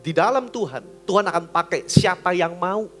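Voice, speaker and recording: High-voiced pastor preaching. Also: male voice, normal speed, soft background music. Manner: lively, colloquial, acts out voices with big swings in pitch and volume. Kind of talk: sermon. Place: church service.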